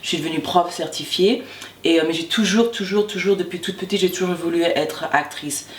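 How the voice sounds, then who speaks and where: Woman from Martinique, 30s, interview guest; chatty and halting, off-mic in a roomy space. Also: lowish voice, slight background noise. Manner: chatty, animated, many restarts and repeated words. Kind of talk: casual interview chat. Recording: echoey room, distant mic, faint background.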